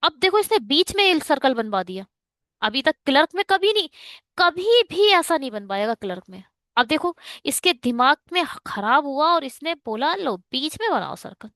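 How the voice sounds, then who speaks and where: A woman's voice: high voice, big pitch swings, normal speed, a bit bright, no echo, studio quality. A woman teaching reasoning for bank exams in a chatty online lesson, mixing Hindi and English and ranting at exam setters.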